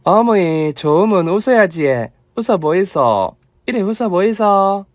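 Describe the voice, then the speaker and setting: A man voicing a blunt, warm-hearted older countrywoman who speaks in Gyeongsang dialect. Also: high-pitched, expressive, no echo, clean studio sound, pitched above the performer's own voice. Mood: coaxing. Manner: brisk, blunt dialect speech.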